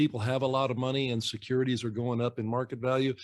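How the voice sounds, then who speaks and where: A man with a plain, everyday voice speaks at a medium pitch and a fairly quick pace. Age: 60s. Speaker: wealth management firm founder. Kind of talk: podcast interview.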